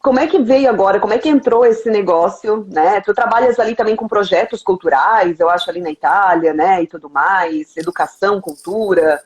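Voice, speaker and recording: A woman's voice: medium pitch, brisk, few pauses, darkish tone. A woman with a southern Brazilian accent hosting a casual live interview online in an informal, chatty way. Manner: informal, chatty, often laughing. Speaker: host of an online interview show. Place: remote live video call.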